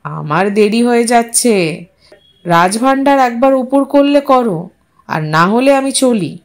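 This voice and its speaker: A woman's voice: on the high side, animated, takes it slowly. A woman voicing a wry, bantering, easygoing young husband in an audio story. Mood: impatient.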